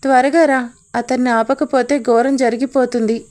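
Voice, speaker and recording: A man's voice: very high-pitched, fairly even intonation, moderate pace, a little mellow. A woman voicing a panicked man who speaks urgently and out of breath in an audio story. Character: panicked, breathless male friend.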